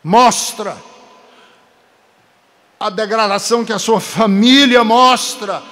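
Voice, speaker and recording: A man from Brazil with a Brazilian Portuguese accent, preaching a sermon emphatically, building to forceful peaks and breaking into chatty asides to the congregation. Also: sits high, slow, big-room sound.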